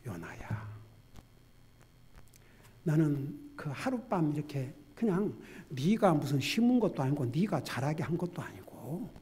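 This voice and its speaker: A stern, fatherly God scolding in a husky, unhurried voice, as a male pastor puts him on. Weighty and low, with a reproving sermon-story tone. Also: sing-song, mellow, full character voice.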